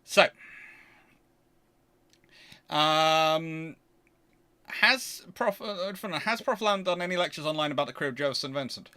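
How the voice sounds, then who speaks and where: A British man hosting a casual question-and-answer livestream, talking in a rambling, halting way and often repeating and rephrasing himself. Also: a little high, pushed and bright.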